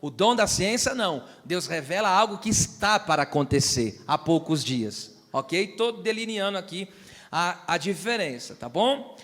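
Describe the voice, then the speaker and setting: A man's voice: high voice, expressive, normal speed, a bit bright. Man, pastor, teaching sermon, reverberant hall. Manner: teaching, asks the church to repeat phrases and check understanding. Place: church hall.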